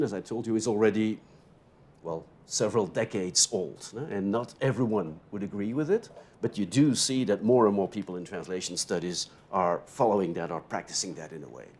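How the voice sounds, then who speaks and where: A low-pitched man with a Dutch accent, speaking English as a second language in a university lecture. He works through his points by thinking aloud, turning to the room with little "no?" and "huh?" tags. His loudness rises and falls sharply from one phrase to the next. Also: normal speed. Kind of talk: opening lecture to graduate students.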